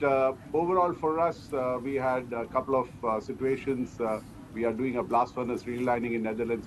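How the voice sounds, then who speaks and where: A man giving measured, explanatory answers as a company executive in an interview. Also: medium pitch. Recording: clearly noisy background.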